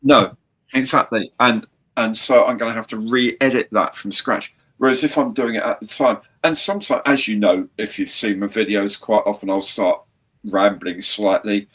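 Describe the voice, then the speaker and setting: A man's voice: on the low side, fairly even intonation, moderate pace, pushed and bright. A man hosting a casual live-stream chat, rambling and chatty with some mild swearing. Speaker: host.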